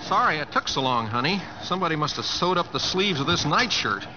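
An actor playing a bashful, earnest Oklahoma cowboy in an old-time radio drama, with a rural Oklahoma accent and a hesitant, folksy drawl. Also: male voice, fairly high pitch, very animated, fairly quick, noisy background. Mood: sheepish, coaxing. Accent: American, rural Oklahoma. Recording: dull vintage radio recording, faint music.

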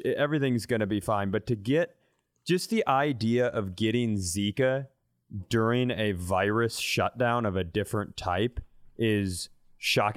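A man's voice: fairly low pitch, no room sound. Irreverent man telling comic stories, dry close sound. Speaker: comedy podcast co-host. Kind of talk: casual comedic storytelling.

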